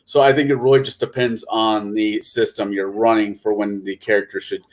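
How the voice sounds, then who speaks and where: A man's voice: fairly low pitch, little pitch movement, moderate pace. A man on a podcast panel discussing casually, hesitantly circling back to rephrase his points.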